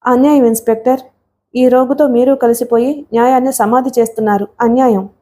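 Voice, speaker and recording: A woman's voice: fairly high pitch, fairly even intonation, fairly quick, dark tone, slight background noise, natural voice. A woman voicing a desperate pleading young wife. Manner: pleading, distressed.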